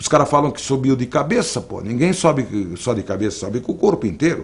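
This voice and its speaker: Lively intonation and a fairly quick pace mark a man's somewhat breathy speech. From southern Brazil, Blumenau (Santa Catarina). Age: 60s. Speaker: sports radio commentator. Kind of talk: interview. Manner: animated.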